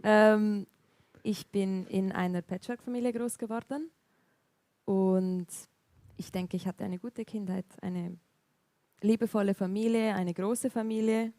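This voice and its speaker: A woman's voice: medium pitch, steady tone, dry recording. A young woman from Graubünden with a Swiss accent, speaking hesitantly and reflectively as a guest telling her life story on a church stage. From Graubünden, Switzerland. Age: young adult. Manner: soft, hesitant, reflective, with frequent pauses and fillers. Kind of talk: personal testimony interview in a church service.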